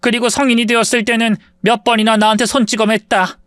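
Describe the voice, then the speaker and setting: A man voicing an elderly mother-in-law who speaks in a low, weary, plain-spoken way. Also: level tone, fast, a bit bright, clean tone, dry recording, studio quality.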